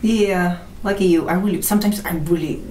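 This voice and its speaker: A woman's voice: on the low side, fairly even intonation, fairly quick, dark tone. A woman from Russia with a Russian accent, a podcast guest chatting eagerly and laughing easily. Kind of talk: casual interview chat. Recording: echoey room, mic at a distance, faint noise.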